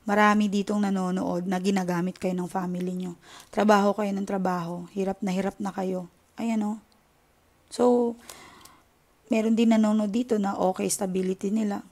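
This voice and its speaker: A woman with a Filipino accent hosts a tarot channel, chatting casually with viewers in an impassioned, indignant way while switching between Tagalog and English. Her mid-range voice stays level and a little mellow, at a moderate pace with long pauses.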